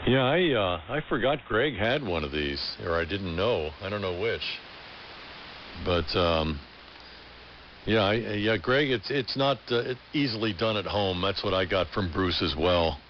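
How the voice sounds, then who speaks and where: Low-voiced man on hissy shortwave radio. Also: animated, measured pace, muffled recording. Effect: AM shortwave radio transmission. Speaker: amateur radio operator. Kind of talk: casual technical chat over ham radio. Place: amateur radio station, heard through a receiver.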